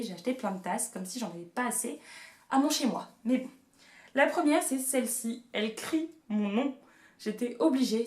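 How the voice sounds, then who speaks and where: A young woman in her twenties talks through a shopping haul at home, gushing over every find with playful asides. Her voice sits on the higher side. The camera mic picks up a noticeably echoey room. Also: a little mellow. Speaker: beauty and haul vlogger. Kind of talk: casual haul video chat.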